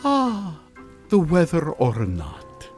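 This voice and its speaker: Older retired mad scientist, totally blasé and teasing, voice swings up and down a lot, funny radio drama w music. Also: male voice, fairly high pitch, huge pitch swings, extremely slow, darkish tone, full character voice. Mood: breezy teasing. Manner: dry, nonchalant, teasing. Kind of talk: comedic radio drama acting. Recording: music behind the voice.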